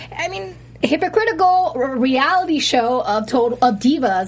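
A woman speaks in an animated tone with very wide pitch swings. Noticeable background noise is present. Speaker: podcast host. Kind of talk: casual after-show chat. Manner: animated, laughs often.

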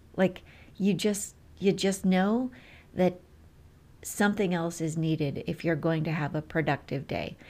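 Over a silent background in a very clean recording, a woman with a fairly low pitch speaks with ordinary pitch variation and long, frequent pauses. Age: 40s. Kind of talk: faith-based podcast monologue. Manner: animated.

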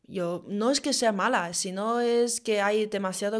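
On a very clean recording with a silent background, a woman talks at a fairly slow pace and medium pitch with ordinary pitch variation. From China, Wuhan. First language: Chinese (speaking Spanish). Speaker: tech sector worker. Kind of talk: casual interview.

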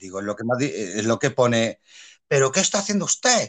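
Over a quiet background, a man with a normal speaking voice and medium pitch talks with lively intonation. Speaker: actor. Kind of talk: casual chat.

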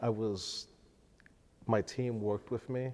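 A man speaks in a monotone with flat intonation and a fairly low pitch. His tone is dark and mellow, with an American accent. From US Northeast (Westchester, New York). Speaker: auction house watch specialist. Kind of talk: casual chat. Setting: live at an auction house.

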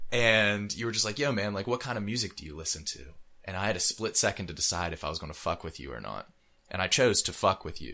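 This man talks at a very fast pace with an American accent and lively intonation. His tone is bright and sharp, with vocal fry. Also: fairly low pitch for a man, big swings in loudness. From West Virginia, Wheeling. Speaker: graphic designer and radio host. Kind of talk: casual chat. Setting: studio.

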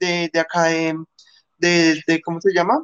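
A man talks in a high-pitched voice. The sound is dry and close, with no echo. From Bogotá, Colombia. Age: 20s. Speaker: ballroom dancer. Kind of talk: panel discussion.

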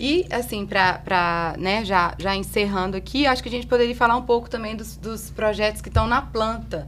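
Speaking at a moderate pace with hardly any pauses, a woman with a slight Minas Gerais accent shows big swings in loudness. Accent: faint Minas Gerais Brazilian. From Brazil, Minas Gerais. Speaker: journalist podcast host. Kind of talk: interview.

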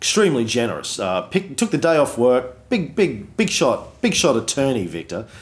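In an Australian accent, a man talks at a moderate pace with a fairly high pitch, very wide pitch swings and vocal fry. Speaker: podcast host and documentary filmmaker. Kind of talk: casual chat. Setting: hotel room. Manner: casual, halting.

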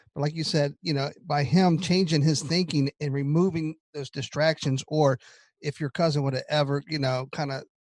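A man's fairly high-pitched, plain, everyday voice at a moderate pace with fairly even intonation, dry and close with no echo against a quiet background. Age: 50s. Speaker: podcast co-host, barber. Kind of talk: casual chat.

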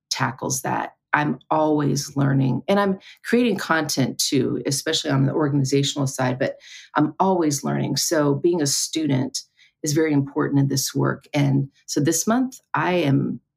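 This woman has a very deep, low pitch with vocal fry, ordinary pitch variation, a moderate pace and very even loudness. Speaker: team member. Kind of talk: casual panel conversation.

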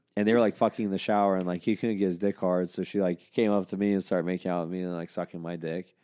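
At a very fast pace and with hardly any pauses, a man speaks in a very deep, low pitch. His tone is dark and mellow, and his intonation is monotone and flat. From Arizona. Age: 30s. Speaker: adult film actor. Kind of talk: casual interview. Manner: casual, filler-heavy.

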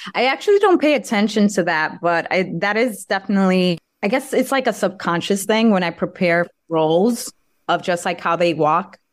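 A woman's normal speaking voice with an American accent, medium pitch, ordinary pitch variation and very even loudness at a moderate pace, in a very clean recording with a silent background. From New York. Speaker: actress. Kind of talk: interview.

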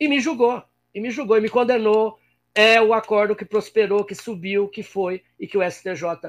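Against a quiet background, a man with a high pitch speaks at a fairly slow pace, with ordinary pitch variation and big swings in loudness. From Brazil, Mato Grosso do Sul. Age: 50s. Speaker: investigative journalist. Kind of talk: interview.

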